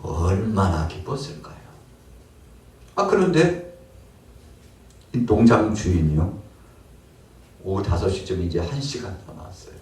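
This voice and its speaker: A man's voice: sits low, big pitch swings, measured pace, long pauses, darkish tone. A man preaching a sermon as pastor, telling the story dramatically and acting out the scenes. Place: church. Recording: roomy church hall, mic far off.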